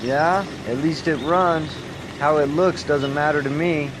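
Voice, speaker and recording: An actor playing an easygoing, curious motorist in an audio drama. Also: male voice, on the high side, fairly even intonation, measured pace, noisy background, natural voice.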